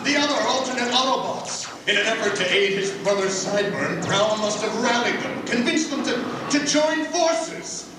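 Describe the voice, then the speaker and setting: A man playing an excitable robot who declaims battle action with flourish in a live script reading. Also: very high voice, moderate pace. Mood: excited. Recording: echoey hall, far off, loud noise.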